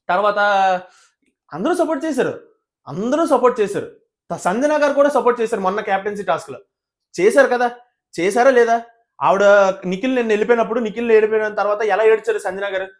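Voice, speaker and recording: A man giving an animated opinion review of a reality show, indignant and full of rhetorical questions. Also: sits high.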